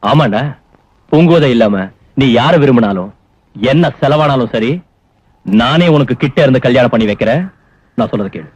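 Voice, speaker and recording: A bullying young village landlord's son who makes gruff threats, as an actor plays him. His husky, mid-pitched voice sits dry and close, with no room around it. The soundtrack sounds dull and muffled. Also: moderate pace, pauses often, a little mellow, no echo, natural voice. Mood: pressing. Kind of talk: 1990s film dialogue. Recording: dry, dull film audio.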